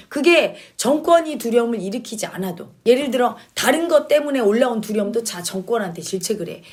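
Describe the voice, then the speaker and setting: A woman commentator speaks in a fairly high voice, blunt and emphatic. She drives her points home by repeating key words and slides between casual and polite speech. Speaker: commentator answering questions. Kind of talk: opinionated commentary.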